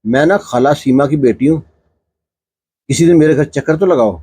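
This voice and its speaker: A man's voice: fairly high pitch, dark tone, husky. A man voicing a bold, headstrong teenage village girl who talks bluntly and teasingly, read within a told story. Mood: brazen.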